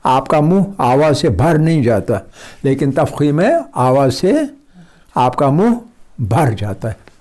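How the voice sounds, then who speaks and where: A man teaching a recitation lesson, patiently explaining and repeating example words slowly, often checking that his listeners follow. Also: medium pitch, animated, a little mellow. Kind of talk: tajweed lesson.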